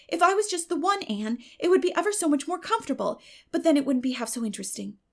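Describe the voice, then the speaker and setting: A woman's voice: high-pitched, expressive, fast, gravelly, pitched above the performer's own voice. A woman voicing a dreamy, dramatic young schoolgirl in an audiobook, effusive and earnest.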